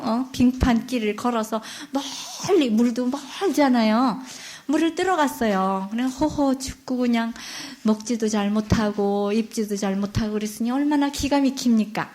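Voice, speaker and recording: Woman nun lecturing, chatty storyteller, fairly high voice, lively. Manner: lively, chatty, asks listeners questions.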